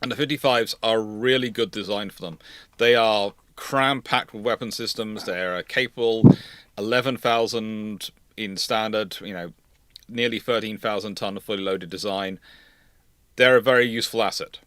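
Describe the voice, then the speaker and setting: In a dry recording, a male host leads an unscripted expert discussion about naval ships. His voice sits on the low side, clear, resonant and fairly bright, with fairly even intonation and a moderate pace. He often corrects himself hesitantly and repeats points for emphasis.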